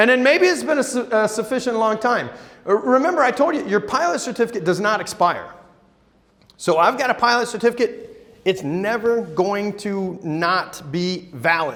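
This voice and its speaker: A man's high-pitched voice with lively intonation. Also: moderate pace. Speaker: flight instructor. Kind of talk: lecture.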